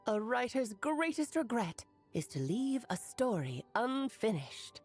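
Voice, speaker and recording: A woman's voice: a little high, sing-song, unhurried, slightly rough, soft background music, exaggerated voice. A woman voicing a grand, self-assured woman mage in a video game, with eloquent, dramatic delivery. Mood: storytelling.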